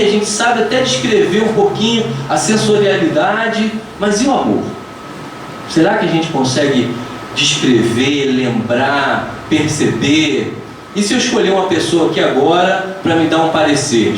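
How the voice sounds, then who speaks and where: Brazilian man lecturing in an echoey hall. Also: high voice. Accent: Brazilian Portuguese. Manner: conversational and joking, asks the audience questions. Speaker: lecturer at a spiritist center. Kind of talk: public lecture with audience questions. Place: lecture hall of a spiritist center, indoors. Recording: very echoey hall, voice from far off, background noise.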